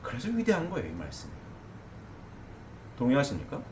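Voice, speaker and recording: Medium-pitched with huge swings in pitch, this middle-aged man preaches fairly quickly and emphatically over background noise. He keeps asking the congregation questions, often adding "eh?", and the hall around him is echoey with faint ambience.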